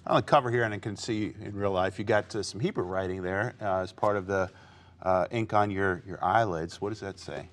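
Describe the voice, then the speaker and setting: Deep-voiced male talk show host. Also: brisk. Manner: affirming, frequent "yeah" and "mm-hmm". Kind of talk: interview questions.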